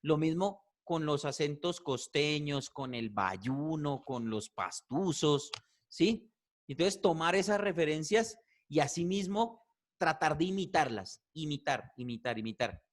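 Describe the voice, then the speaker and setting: A man teaching a voice class, animated and repetitive, checking in with "¿cierto?" often. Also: fairly high pitch, slow pace. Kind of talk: online class feedback.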